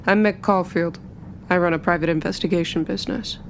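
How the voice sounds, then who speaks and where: A woman playing a down-on-luck private investigator, brisk and matter-of-fact, in a tabletop game. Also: lowish voice, fairly even intonation, a little hiss or hum, close to an everyday voice. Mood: brisk, apologetic.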